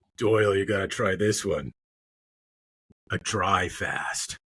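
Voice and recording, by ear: A man speaks in a put-on character voice, raspy and fairly low-pitched. His pace is fairly slow.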